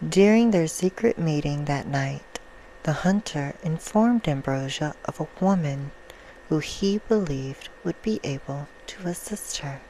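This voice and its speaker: A woman playing a vampire who reads a bedtime story in a hushed, soothing ASMR roleplay style. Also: sits low, animated, measured pace, a little hiss or hum, poor audio. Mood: soft, storytelling. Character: female vampire reading a soft bedtime story.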